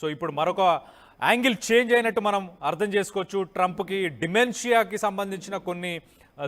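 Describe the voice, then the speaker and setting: A man's voice: high-pitched, fairly bright tone, big-room sound. A man with a Telugu accent presenting news commentary in an emphatic way, repeating phrases for stress. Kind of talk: live news commentary, explaining and opining.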